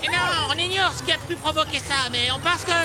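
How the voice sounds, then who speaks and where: Casting: actress as bossy, cheerful young mechanic, cartoon, high brisk voice over loud music and clamour. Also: female voice, a loud crowd, close to an everyday voice. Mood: urgent, bossy. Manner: brisk, energetic, commanding. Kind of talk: French cartoon dubbing. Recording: loud music and busy outdoor clamour behind.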